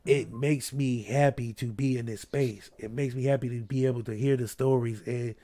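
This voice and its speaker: A man's voice: medium pitch, fairly even intonation, moderate pace, mellow. Laid-back stuffy man hosting a podcast. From Ohio. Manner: laid-back, slangy, repeats "you know what I mean". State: a little stuffy. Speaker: podcast host. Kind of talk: casual podcast chat.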